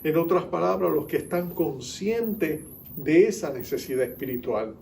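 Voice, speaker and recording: A man's voice: fairly high pitch, expressive, normal speed, gravelly, a little mellow, a little hiss or hum. A male pastor preaching an earnest sermon in church, acting out the figures he quotes.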